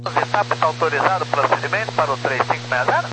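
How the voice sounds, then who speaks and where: A man's voice: fairly high pitch, expressive, fast talker. A man with a Brazilian accent, a pilot making requests and readbacks to control over aviation radio. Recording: very noisy, humming aviation radio.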